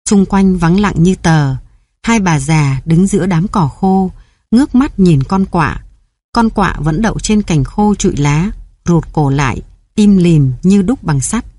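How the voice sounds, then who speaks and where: Female audiobook narrator, measured and steady, low mellow voice, dry sound. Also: no room sound. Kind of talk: scripted narration.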